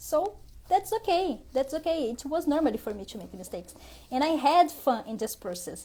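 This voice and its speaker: Speaking at a moderate pace with a Brazilian accent, a woman uses a high pitch with very wide pitch swings and big swings in loudness. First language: Brazilian Portuguese. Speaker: language teacher. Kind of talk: online live class.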